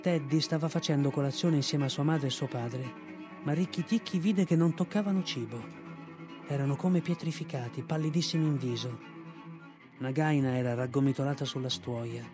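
Man reading a story aloud, measured. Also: on the high side, over music. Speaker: reader. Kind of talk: scripted audiobook narration.

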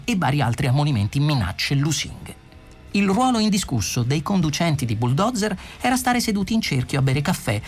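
An audiobook narrator reading a comic novel in an expressive, lively way. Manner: expressive, with wide pitch swings.

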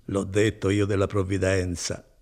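A man's voice: low-pitched, monotone, moderate pace, vocal fry, a little mellow. A man doing an earnest troubled young man. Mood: grateful.

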